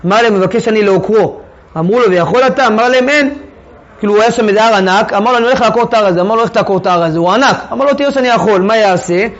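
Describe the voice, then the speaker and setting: Guy with a high voice leading a torah class, reads the text then breaks it down casually, muffled lo-fi sound. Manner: reads sources aloud, then paraphrases them in casual speech. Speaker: Torah teacher. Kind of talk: text-study lesson to a class.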